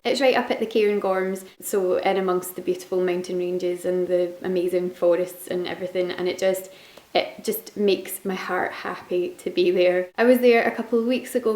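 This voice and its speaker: A young woman with a Glaswegian Scottish accent talks casually to the camera in a mid-pitched voice. She rambles a little, with fillers and asides. The sound is roomy, with some echo from the walls around her. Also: darkish tone. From Scotland. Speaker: beauty and lifestyle YouTuber. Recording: echoey room.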